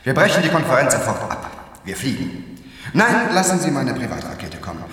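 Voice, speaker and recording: An actor playing a megalomaniac, domineering company director in a radio play, barking orders and bursting into shouts. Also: male voice, medium pitch, sing-song, fairly quick, recorded from a distance. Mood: imperious. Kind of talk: 1950s radio play acting. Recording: roomy reverberant studio, voice off-mic.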